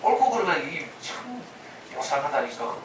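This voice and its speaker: A man's voice: fairly high pitch, sing-song, moderate pace. A man giving a parenting lecture in a conversational way, full of rhetorical questions and acted-out quotes. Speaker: lecturer in a parenting humanities class. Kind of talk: lecture with sermon-like storytelling. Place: lecture room. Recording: echoey room from a distance, noisy.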